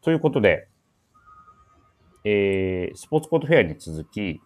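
Male host, deep voice, casual radio chat, drily teasing co-presenters. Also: very animated, normal speed. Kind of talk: casual talk show chat with event announcements.

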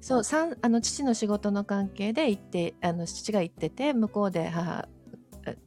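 Mellow, genteel woman in polite conversation. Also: medium pitch, normal speed, faint music behind. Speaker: interview guest, online show host. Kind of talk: polite conversational interview talk.

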